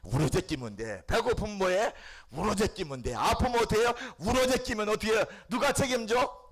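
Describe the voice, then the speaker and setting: A middle-aged man preaching a Sunday sermon as pastor, talking plainly and repetitively, asking the congregation questions, and swinging from loud pleading cries down to hushed near-whispers. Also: high-pitched, expressive, moderate pace, crowd noise.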